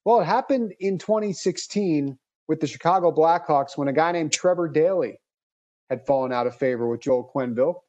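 A man's voice: fairly high pitch, fairly quick, a little mellow, highs cut off. A man hosting a hockey podcast, reading a fluent, upbeat scripted segment. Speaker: podcast host and hockey reporter.

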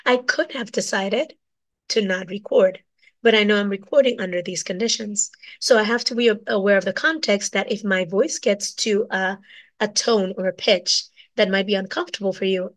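A woman with a hoarse, raspy voice from a cold, teaching communication skills alone in her office and checking in often with "right?". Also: medium pitch, normal speed. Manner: asks "right?" after most points. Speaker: communication coach. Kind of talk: solo teaching talk.

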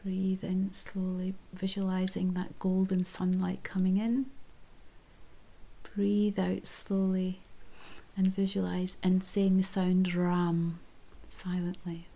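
A woman guiding a chakra meditation in a soft, gentle whisper. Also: lowish voice, monotone, slow pace, gravelly, poor audio. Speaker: meditation guide.

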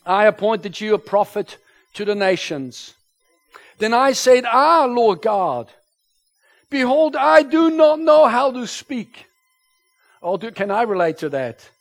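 A man whose first language is German, preaching a sermon to a congregation, his voice rising loud when he quotes scripture. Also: very high-pitched, expressive, takes it slowly. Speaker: pastor. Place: church.

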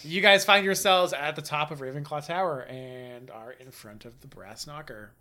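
A game master narrating and ruling a tabletop role-playing game in a hesitant, relaxed way. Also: medium pitch, moderate pace. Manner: hesitant, many fillers, relaxed.

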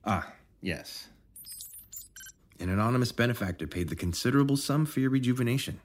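An actor playing a probing, officious rejuvenation officer in an audio drama, measured and insinuating. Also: male voice, medium pitch, animated, natural voice.

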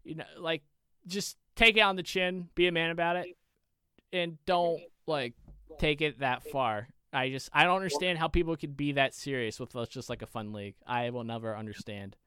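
Bright, crisp young man telling a story. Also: a little high, moderate pace, no echo. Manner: animated, profane, rambling with restarts. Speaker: podcast co-host. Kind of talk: casual storytelling chat.

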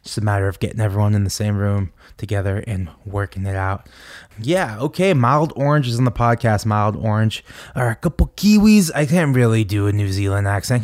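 A young adult man hosting a podcast, rambling and halting with many restarts, as he talks casually about touring and new songs. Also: lowish voice, darkish tone, no echo, clean studio sound. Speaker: podcast host and touring musician. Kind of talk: casual podcast monologue and interview.

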